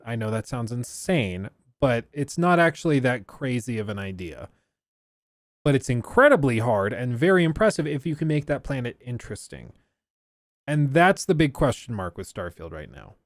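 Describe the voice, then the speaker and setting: A man's voice: medium pitch, no echo. A man giving casual, enthusiastic live reaction commentary on a stream, chatty and loose with fillers. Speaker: streamer reacting to a game showcase.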